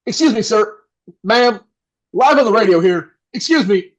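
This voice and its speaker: A man's voice: sits high, lively intonation, normal speed. A man playing a slick, enthusiastic 1960s radio host who can turn into a crude jerk. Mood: polished, eager. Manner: enthusiastic, showy patter. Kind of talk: 1960s radio announcer acting.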